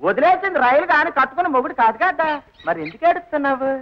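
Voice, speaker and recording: An actor playing a nosy, joking railway platform worker in a comic film scene. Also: male voice, very high voice, lively intonation, rapid-fire. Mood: mocking. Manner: nosy and mocking. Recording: lo-fi old film soundtrack.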